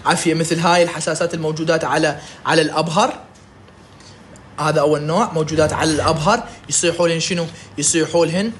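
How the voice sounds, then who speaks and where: Lively Iraqi male lecturer, brisk. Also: fairly high pitch, slight background noise. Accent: Iraqi Arabic. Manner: lively, jokey teaching with frequent checks on students. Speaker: medical lecturer. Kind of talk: recorded lecture.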